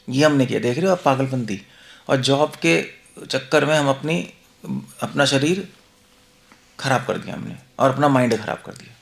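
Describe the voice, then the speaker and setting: A male monk with a high, fairly bright voice gives a conversational scripture class, a Hindi-English devotional lecture. Switching between Hindi and English, he puts rhetorical questions to his listeners.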